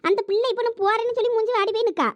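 Woman playing a shrill bossy village mother. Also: steady tone, very fast, dry recording. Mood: scolding. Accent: Thoothukudi Tamil. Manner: scolding, domineering. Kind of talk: village comedy skit.

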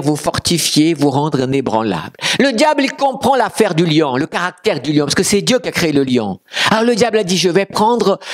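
Lively preaching man, pitch swinging wide. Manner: animated preaching, voice climbing high for emphasis and dropping low for stressed words; repeats words and restarts, slows down on key phrases. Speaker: pastor. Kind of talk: sermon.

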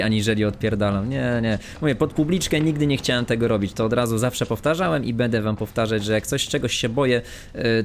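A man commentating live on a horror game he is playing, muttering and swearing to himself and his viewers. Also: mid-range voice. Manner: muttering, swearing, self-talk. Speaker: streamer. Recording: noisy game stream audio.

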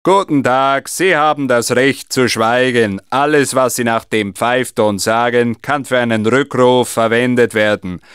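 A man plays a formal male phone menu announcer with a smooth, clean voice. He delivers scripted answering machine messages with comic officiousness, recorded very dry and close. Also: medium pitch, unhurried, hardly any pauses, a bit bright, no echo, natural voice. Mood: officious.

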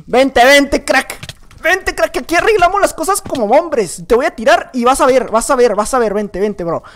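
A young man giving excitable gameplay commentary at home, chatting nonstop, repeating words and breaking into shouts. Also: very high-pitched, moderate pace. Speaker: gaming YouTuber. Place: at home at night.

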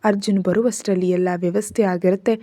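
A cold, controlling father lays down orders and threats in a mellow, low-key voice, as a woman narrator reads him. He scolds in a commanding, clipped way, with a hard edge under the calm. It is spoken storybook narration. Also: fairly quick, no room sound, studio quality, lightly acted. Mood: threatening.

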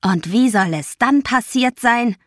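A woman voicing an angry, self-righteous ten-year-old boy who speaks in a loud, accusing voice. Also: fairly high pitch, animated, unhurried, no room sound, clean studio sound, pitched above the performer's own voice. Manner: indignant, raised voice.

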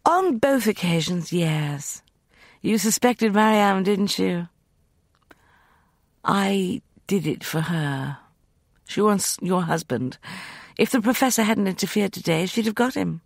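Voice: mid-range voice, animated, slow pace, creaky, no room sound, studio quality, pitched above the performer's own voice, full character voice. A narrator voicing an imperious, vengeful young woman with a light, piercing, scornful voice.

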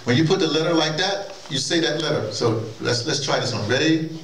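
A man's voice: a little high, brisk, fairly bright tone. A middle-aged man presenting and narrating a story for a live audio drama. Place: large wood-panelled conference hall, indoors. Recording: distant, echoey hall, clear background noise.

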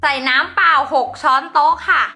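Woman craft-tutorial host; cheerful chatter, crisp bright tone. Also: high voice, moderate pace, faint music behind. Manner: bubbly, polite, talks straight to viewers. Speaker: slime-making channel host.

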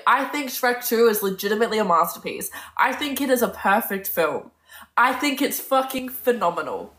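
Bright-voiced young woman livestreaming, emphatic. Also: on the high side. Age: 20s. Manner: emphatic, sweary, opinionated. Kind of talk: casual livestream chat answering viewer comments. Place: indoor room at home with bookshelf. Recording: roomy echo from phone mic.

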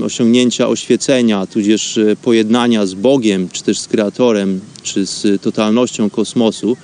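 A man hosting a spiritual radio show, speaking in an informal, reflective monologue with wordy, measured phrasing. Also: mid-range voice, a little mellow, clear, resonant tone.

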